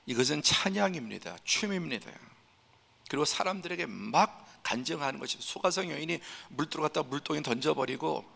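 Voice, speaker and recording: A male pastor preaching a Sunday sermon, emphatic and building to forceful peaks, sometimes dropping to a hushed voice to act out scenes. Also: on the high side, lively intonation, brisk, vocal fry. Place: church sanctuary. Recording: reverberant church hall.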